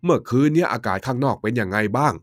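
A man's voice: medium pitch, expressive, racing, close to an everyday voice. Commanding king for a kids' tale, voiced by a male narrator, slightly raised. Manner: commanding, scolding. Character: stern male king, easily swayed.

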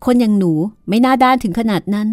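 A woman's voice: a little high, fairly quick, dark tone, no room sound, clean studio sound, pitched above the performer's own voice, lightly acted. A woman voicing a poor young woman who pleads and then answers curtly and defiantly. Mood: hurt, defiant. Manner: tearful pleading turning curt.

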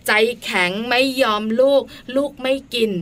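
A woman co-hosting a casual parenting chat, talking in a lively way with jokes and dramatic asides. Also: a little high, a little slow. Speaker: podcast co-host.

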